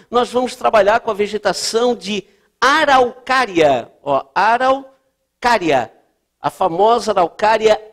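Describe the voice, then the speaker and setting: High-voiced Brazilian geography teacher lecturing. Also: male voice. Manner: explanatory, checks in with "certo?" and "né?". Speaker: prep-course geography teacher. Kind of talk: lecture at a board.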